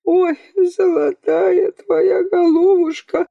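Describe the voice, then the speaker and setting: A woman reading aloud, voicing a shrill old village grandmother who scolds and wails. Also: flat delivery, takes it slowly, vocal fry, no echo, phone-quality sound, full character voice. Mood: lamenting. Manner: shrill scolding and sing-song lamenting.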